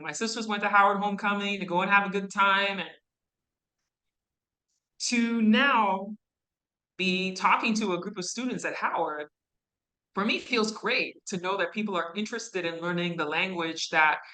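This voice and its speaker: A woman's voice: medium pitch, sharp tone, poor audio. A woman from Canada, a guest speaker in a university classroom, answering student questions in a conversational way with fillers and asides.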